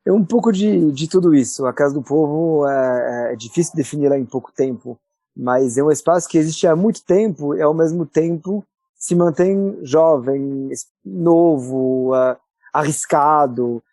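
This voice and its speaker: A man's voice: fairly high pitch, unhurried, dark tone, dry recording. A man from France speaking with a French accent, a podcast guest who explains things thoughtfully with frequent hesitations. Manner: thoughtful, many filler "ah" hesitations. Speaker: guest, cultural center director. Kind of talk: podcast interview.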